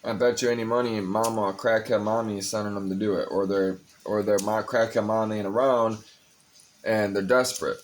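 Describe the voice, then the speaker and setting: Young male vlogger, very low voice, tired, loose confessional ramble with plenty of swearing. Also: fairly even intonation, moderate pace. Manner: rambling, confessional, curses freely. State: tired, a bit high. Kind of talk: casual personal vlog talk.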